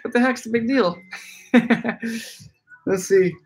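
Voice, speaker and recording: A man's voice: very high voice, slow. A man in his late twenties, a bike shop owner, chatting loosely on a live stream and reading out viewer comments, with many fillers and restarts. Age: 20s.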